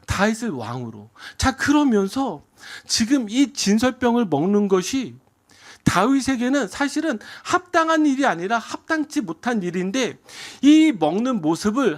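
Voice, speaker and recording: A man preaching a Sunday sermon as a pastor, asking the congregation questions and answering them himself, and slowing down when he quotes scripture. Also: sits high, very animated. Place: church sanctuary.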